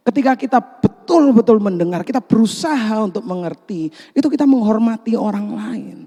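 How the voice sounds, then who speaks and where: A man delivering an animated sermon to his congregation, mixing teaching with jokes and direct questions. His voice sits high but sounds mellow and warm. The sound carries a long reverb from a large hall. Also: a little fast. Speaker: pastor.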